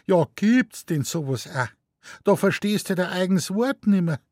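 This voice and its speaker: A man reading aloud voices an excitable, outraged Munich woman in Bavarian dialect. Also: lowish voice, a little slow, dry recording, clean studio sound, voice pushed up.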